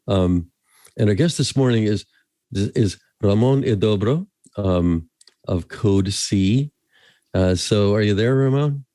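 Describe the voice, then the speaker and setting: A man's voice: on the low side, expressive, slow, warm tone, dry recording. A man hosting a podcast interview, talking in a casual, joking way with chuckling asides. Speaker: podcast host.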